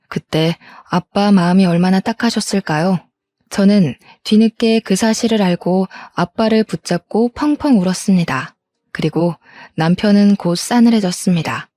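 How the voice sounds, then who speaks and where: A woman in her fifties narrates a scripted family drama story, sharp and indignant in the quarrels and measured in between. Her voice is dark and mellow, recorded close and dry. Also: mid-range voice, dry recording.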